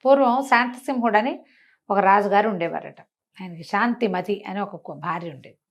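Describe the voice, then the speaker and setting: A woman's voice: medium pitch, moderate pace. A woman storyteller telling a folk tale conversationally to a listener, explaining as she goes and acting out the characters' dialogue. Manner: colloquial, explanatory, acts out characters' dialogue with asides.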